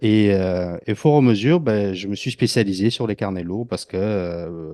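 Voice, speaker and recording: The man's fairly low voice has a dark, mellow tone and ordinary pitch variation at a moderate pace. The sound is dry and close with no echo, against a quiet background. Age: 40s. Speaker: scalp trader. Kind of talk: interview conversation.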